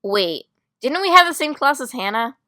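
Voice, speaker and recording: A woman playing a casual, youthful schoolgirl in an animated magic-school roleplay story. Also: high-pitched, normal speed, no room sound, studio quality, exaggerated voice. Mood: fed up.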